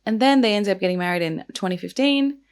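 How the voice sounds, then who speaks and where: A young woman chats casually to her viewers, dropping "like" into nearly every sentence. Her voice is croaky from the early hour and carries a steady gravelly fry, sitting at an ordinary middle pitch. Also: quick pace. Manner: chatty, lots of "like" fillers. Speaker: true crime and makeup vlogger. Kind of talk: casual chatty vlog.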